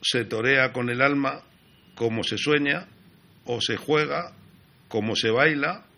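A man's voice: mid-range voice, a little slow, creaky, pushed and bright. A man co-hosting a radio show, chatting in a friendly, casual way. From Spain. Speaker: radio co-host.

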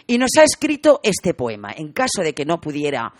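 A woman's voice: deep voice, wildly swooping pitch, normal speed, a little mellow, no echo, clean studio sound. A woman from co-hosting live radio talk, rambling from one announcement into the next. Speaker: radio show co-host.

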